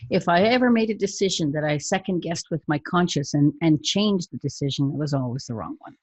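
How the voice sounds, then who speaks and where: A woman's voice: low-pitched, expressive, brisk, slightly rough, dry recording. A woman hypnotherapist, a guest on a podcast, speaking matter-of-factly about her clients. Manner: matter-of-fact, tells client stories. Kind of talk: casual podcast interview.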